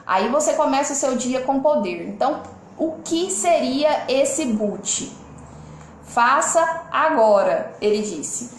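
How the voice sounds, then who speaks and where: A Brazilian woman speaking from home on a live stream, lively and expressive, changing her loudness and tone on purpose as she reads out viewers' comments. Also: sits high, unhurried, reverberant, slight background noise. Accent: Brazilian Portuguese. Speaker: lawyer and online mentor hosting a live.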